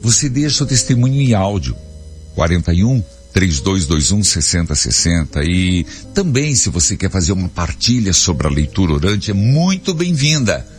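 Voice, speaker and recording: A man's voice: deep voice, big pitch swings, normal speed. A Brazilian man, a Catholic priest hosting a radio call-in show, preaching in an emphatic, colloquial, fatherly scolding manner full of rhetorical questions. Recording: radio broadcast with faint music behind. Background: faint music.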